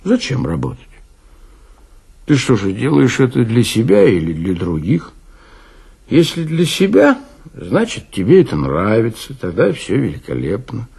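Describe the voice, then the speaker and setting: A man voicing a slovenly, ageing count who drinks in a tavern, impassive, indifferent and unhurried, in a dramatic literary reading. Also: medium pitch, huge pitch swings, gravelly, a little mellow, breathy edge, full character voice. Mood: indifferent, world-weary.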